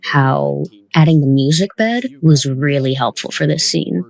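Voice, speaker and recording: A host with a mid-range voice full of vocal fry talks casually about making an audio drama. The delivery is conversational commentary. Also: medium pitch, unhurried, a little mellow.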